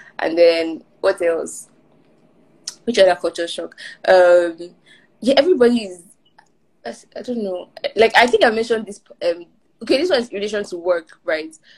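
Her pitch is medium and her intonation lively as this woman talks at a moderate pace. Her loudness swings widely, and she leaves long, frequent pauses. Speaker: guest sharing relocation story. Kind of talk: casual chat. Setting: live online video session.

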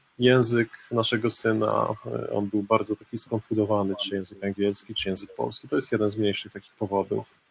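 A man talks at a fairly quick pace and fairly low pitch. His intonation is monotone and flat. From Poland, Lublin. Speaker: podcaster. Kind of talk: casual chat. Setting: video call.

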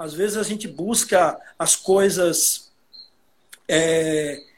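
This man speaks at a high pitch. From Bahia, Brazil (Feira de Santana). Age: 40s. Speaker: poet. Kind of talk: casual interview on a live stream.

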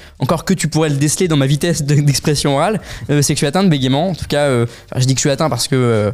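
Over music in the background, a man with a fairly high pitch and ordinary pitch variation talks at a very fast pace. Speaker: public speaking coach and content creator. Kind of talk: casual chat.

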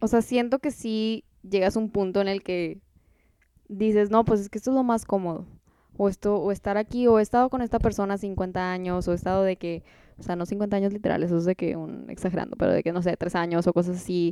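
On a very clean recording with a silent background and a dry, close sound with no echo, a woman of medium pitch with a dark, mellow tone talks at a fairly quick pace with fairly even intonation. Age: 20s. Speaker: university student podcaster. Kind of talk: casual chat.

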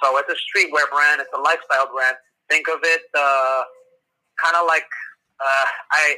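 At a fairly slow pace, a man with a fairly high pitch speaks in a bright, sharp tone. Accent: American. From California. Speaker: clothing brand founder. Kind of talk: casual interview.

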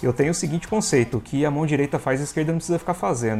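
Lively intonation and a somewhat breathy quality mark this man's fairly high-pitched voice. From São Paulo state, Brazil. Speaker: drone youtuber. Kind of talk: casual interview.

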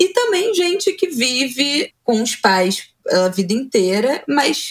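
Her pitch rises and falls across a very wide range. This is a woman speaking. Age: 20s. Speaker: podcast co-host. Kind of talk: casual chat.

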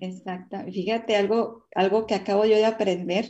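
Her tone dark and mellow, a woman speaks at a medium pitch and fairly slow pace with monotone, flat intonation. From Mexico, Chihuahua. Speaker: talk show host. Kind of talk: casual interview.

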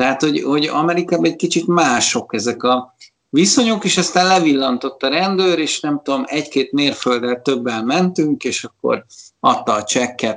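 A man talks at a moderate pace. His fairly high voice has lively intonation. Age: 30s. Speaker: film podcast host. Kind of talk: casual chat; scripted narration. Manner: halting.

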